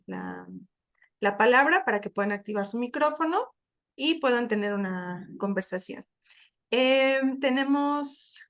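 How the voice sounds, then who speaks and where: A woman moderating an online webinar, with a somewhat higher voice. She speaks politely and welcomingly, pausing often on small fillers as she explains the rules and introduces the speaker. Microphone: video call.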